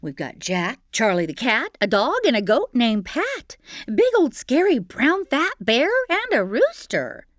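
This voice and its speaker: With music in the background, a woman narrates a fairy tale for children, tossing in playful, chatty asides to her young audience. Her slightly high voice swings hugely in pitch at a measured pace with hardly any pauses, in studio-quality sound with no room tone.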